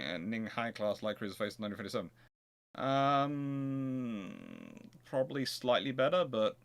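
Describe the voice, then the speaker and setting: A man's voice: on the low side, a bit bright. A man hosting a naval history show, speaking informally as he answers questions and reads aloud, often correcting himself. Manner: hesitant, thinking aloud, self-correcting.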